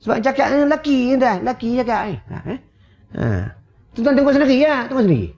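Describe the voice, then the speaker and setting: A man with a Malaysian Malay accent preaching in a mosque prayer hall, animated and teasing, acting out little scenes with wives' voices. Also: very high voice, fast talker, lo-fi sound. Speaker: religious preacher. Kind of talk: lively sermon.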